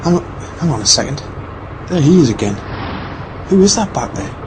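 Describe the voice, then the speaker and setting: A man's voice: on the high side, very animated, fairly quick. A man playing a watchful, worried traveler phoning while driving, talking in a hesitant, casual way in an audio drama. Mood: suspicious. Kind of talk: conversational audio drama acting. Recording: noisy car interior ambience. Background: car and road noise.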